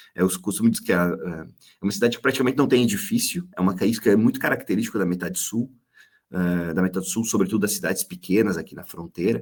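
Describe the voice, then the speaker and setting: A fairly low-pitched man at a very fast pace. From Rio Grande do Sul, Brazil (northeast region). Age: 40s. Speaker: university professor. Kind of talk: radio interview. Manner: hesitant, repeats words.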